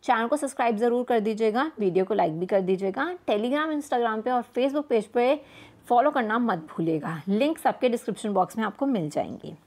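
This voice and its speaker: A woman teacher from India explains a lesson. Her voice sits a little high. She asks the listener questions and repeats key words as she teaches. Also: lively intonation, a little fast, darkish tone. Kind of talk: explaining lesson in Hindi-English mix.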